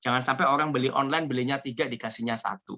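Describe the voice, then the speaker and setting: A man from Indonesia giving an energetic, joking motivational business talk over a video call. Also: mid-range voice, fast talker, gravelly, lo-fi sound. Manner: energetic, joking, repeats "ya" often. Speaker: seminar speaker.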